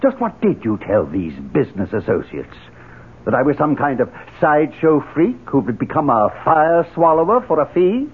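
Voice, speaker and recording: An actor playing a proud, theatrical leader of a fire cult in a radio drama, haughty, formal and declamatory. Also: male voice, fairly high pitch, big pitch swings, normal speed, husky. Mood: indignant. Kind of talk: 1970s radio drama acting. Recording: tinny, narrow-band old radio recording, faint hiss.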